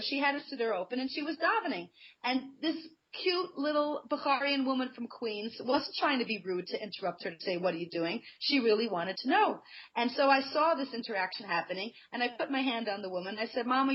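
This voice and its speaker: Earnest woman telling stories on radio. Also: a little high. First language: not Hebrew. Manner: earnest, conversational, with anecdotes. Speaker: guest. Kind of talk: radio interview, personal storytelling. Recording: muffled lo-fi radio sound.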